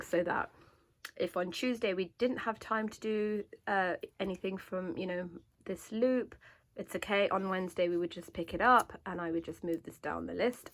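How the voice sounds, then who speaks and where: A woman's voice: lowish voice, a bit bright. A woman with a sore, congested throat, chatting casually to camera about her planner, with lots of fillers. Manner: chatty, many fillers and restarts. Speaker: homeschooling parent vlogger. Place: indoors at a table. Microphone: camera above a desk, hands only in frame.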